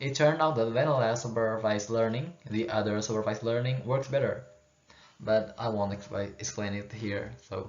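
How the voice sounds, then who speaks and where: The speaker has an Indonesian accent and ordinary pitch variation. Audible room echo surrounds the voice. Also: man, medium pitch for a man, moderate pace. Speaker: university student. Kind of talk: presentation. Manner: halting.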